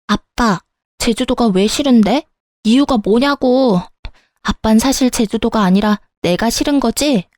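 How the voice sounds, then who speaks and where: A sulky young daughter whines and argues back at her father, pleading and defiant, as a woman puts her on. The voice sits a bit high and is recorded close and dry for a story read-aloud. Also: measured pace, darkish tone, no room sound, close to an everyday voice.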